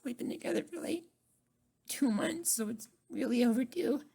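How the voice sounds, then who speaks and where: Woman doing an anxious, timid college girl, high-pitched. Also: expressive, normal speed, vocal fry, dark tone, husky, full character voice. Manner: nervous, timid, pleading. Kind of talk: ASMR roleplay.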